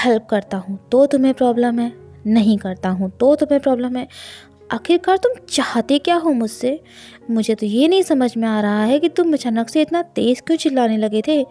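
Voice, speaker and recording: A woman's voice: fairly high pitch, expressive, moderate pace, mellow, soft background music, close to an everyday voice. A woman voicing a stern, dominant young man who talks in a firm, commanding, scolding way, reading a storybook scene. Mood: exasperated.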